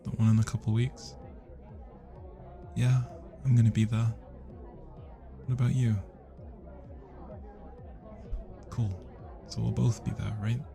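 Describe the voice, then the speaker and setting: A British man playing a shy, smitten young student at a party, speaking softly and hesitantly in intimate roleplay ASMR, with sighs and whispers. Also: mid-range voice, level tone, moderate pace, creaky, long pauses, close to an everyday voice. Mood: puzzled, curious. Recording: music and party chatter behind. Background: party music and crowd chatter.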